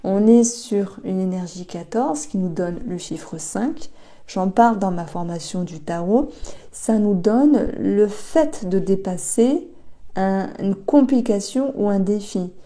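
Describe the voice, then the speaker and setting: Slow, dark-voiced tarot reader. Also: female voice, mid-range voice. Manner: slow, reflective, many hesitations. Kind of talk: intuitive tarot reading to camera.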